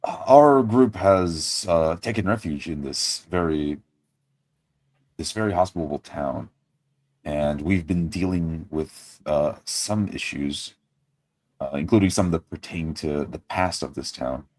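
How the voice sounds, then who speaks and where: A man's voice: sits low, slow, a little mellow, dry recording. A man playing a courteous, self-important knight with a formal, polite and somewhat hesitant way of talking.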